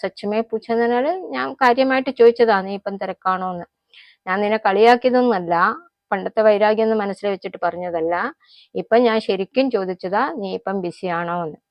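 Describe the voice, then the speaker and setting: A woman with a Malayali accent, a native Malayalam speaker, teaching everyday Hindi phrases in a casual lesson, explaining them slowly and repeating each example. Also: mid-range voice, dry recording, muffled recording. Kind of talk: casual spoken-language lesson.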